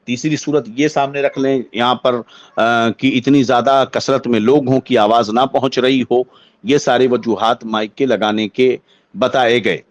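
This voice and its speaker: Delivering a religious ruling in lecture form, this Indian-accented Muslim cleric speaks in careful, formal, scholarly language. His voice is mid-range, with no room sound.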